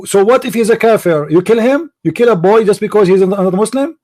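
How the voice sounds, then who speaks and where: Combative Arabic-native man, higher voice. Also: brisk, darkish tone. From Middle East. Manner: combative, repetitive, mocking. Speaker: debate host. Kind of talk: heated religious debate.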